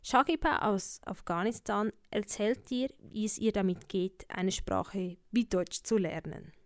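Female radio host, scripted presenter read, mid-range pitch, very dry studio-style sound. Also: unhurried, no room sound.

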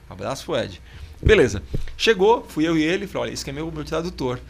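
A man's voice: fairly high pitch, brisk, gravelly. Slangy Brazilian man telling stories. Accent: Brazilian Portuguese. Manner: slangy, animated anecdote-telling. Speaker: podcast host. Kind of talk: casual storytelling chat.

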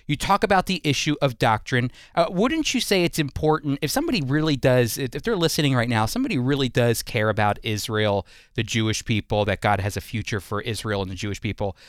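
A man's voice: mid-range voice, expressive, fast talker, hardly any pauses, smooth, no echo, clean studio sound. A man hosting a Christian radio interview in an earnest, explanatory, conversational way. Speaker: radio host.

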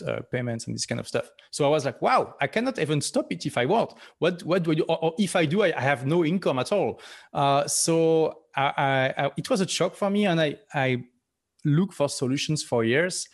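A French man, an entrepreneur and author, speaking English as a guest in a podcast interview, earnest, often restarting words with "uh" and "you know". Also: mid-range voice. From France. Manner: earnest, repeats words when starting sentences, fillers "uh", "you know".

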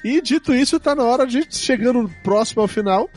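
A hoarse man from Brazil hosting a podcast in a casual, joking chat and laughing at himself. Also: very high-pitched, brisk, a little mellow, faint music behind. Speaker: podcast host.

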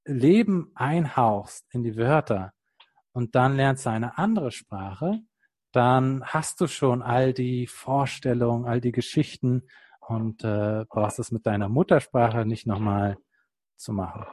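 A man's voice: medium pitch, slow, darkish tone, no room sound. A man hosting a language podcast, patiently explaining and rephrasing words for his guest. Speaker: podcast host. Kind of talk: casual interview.

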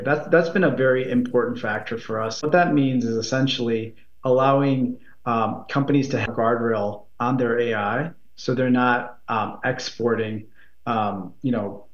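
A man being interviewed as a tech executive, speaking in halting phrases with many repeats and fillers. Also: mid-range voice. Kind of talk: interview answers. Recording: roomy, dull remote line.

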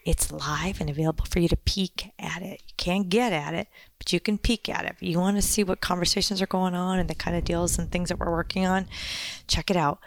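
A woman co-hosting a podcast in casual chat, chatty, teasing and quick to laugh. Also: fairly low pitch, fairly even intonation. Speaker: podcast co-host.

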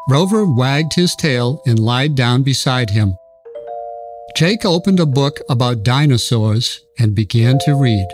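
A man calmly narrating a children's storybook in a measured, gentle reading style. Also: medium pitch.

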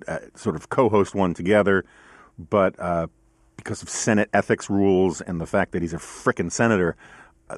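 A middle-aged man hosting a podcast in casual studio chat, with a deep voice, a giggly laugh and lots of ums and uhs. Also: dry recording. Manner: rambling, self-deprecating, many ums and uhs. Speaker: podcast host.

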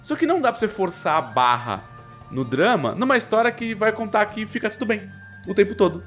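Animated Brazilian man chatting on a podcast. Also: high-pitched, a little fast, soft background music. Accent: Brazilian Portuguese. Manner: animated storytelling, quoting others in raised voice; slangy, frequent fillers. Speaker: podcast co-host. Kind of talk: casual chat.

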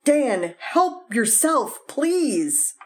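A stammering, anxious wife. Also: female voice, sits high, sing-song, extremely slow, full character voice. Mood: pleading firm. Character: devoted wife of a heart patient. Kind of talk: 1950s radio drama acting.

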